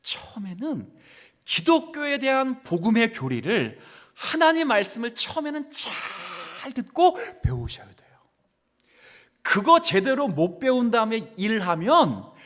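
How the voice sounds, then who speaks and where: A male pastor preaching a sermon to his congregation. He asks the listeners questions, and he swings from loud exclamations to hushed near-whispers. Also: very high-pitched, very animated, measured pace. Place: church sanctuary.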